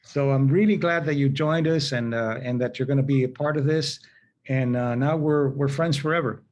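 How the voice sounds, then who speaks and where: A man's voice: mid-range voice, moderate pace, a little mellow, highs cut off. A man hosting a conversational interview, telling anecdotes and acting out quoted dialogue. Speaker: host.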